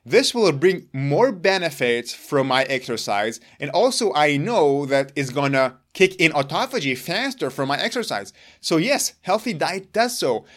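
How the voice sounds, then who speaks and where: A man whose first language is Hebrew talks straight to the camera about his own routine. His voice sits a little higher than most men's. He is earnest and deliberate, leaning on key words for emphasis. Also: very animated, a bit bright. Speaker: longevity vlogger. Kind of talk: explaining personal routine to camera.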